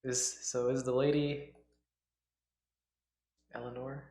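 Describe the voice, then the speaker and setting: A man's voice: medium pitch, little pitch movement, slow, warm tone. A man hosting a live stream, giving casual, musing reactions with murmured interjections. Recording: roomy, echoing voice recording.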